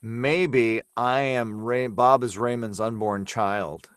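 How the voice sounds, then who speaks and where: Male actor as talk guest: smooth resonant mid-range voice, playful informal delivery, very dry sound. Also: mid-range voice, takes it slowly, no echo. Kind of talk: casual chat.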